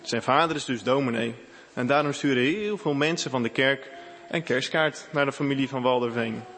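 A man's voice: mid-range voice, normal speed. Man reading a children's story aloud. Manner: clear, expressive reading aloud. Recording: echoey room with faint hiss.

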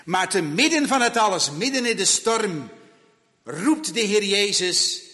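A man delivers a sermon in a fairly high voice that swings widely in pitch. He talks slowly and emphatically, repeating phrases and pausing dramatically. The long reverb of a church hall surrounds him. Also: sing-song, fairly bright tone. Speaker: preacher.

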